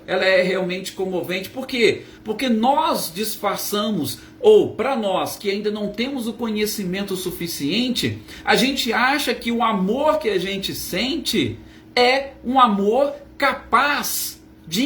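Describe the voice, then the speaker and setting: A man's voice: sits high, fairly bright tone, slight background noise. A man leading a Spiritist study talk, explaining and asking and answering his own questions. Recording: roomy echo, faint ambience.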